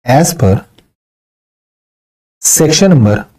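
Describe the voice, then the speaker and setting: A young man teaching exam law in a lively, conversational manner, reading question text slowly and adding teasing asides. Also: medium pitch, breathy edge. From Punjabi family. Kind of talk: exam-prep lecture, mixing Hindi and English.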